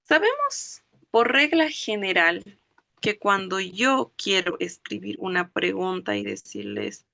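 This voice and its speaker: A woman's voice: mid-range voice, wildly swooping pitch, vocal fry, sharp tone, no echo. A woman teaching a grammar lesson, explaining step by step and often checking that her students follow with "¿ok?". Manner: explains slowly, checks understanding with "¿ok?" and "¿no ve?". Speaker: language teacher. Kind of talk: classroom lecture.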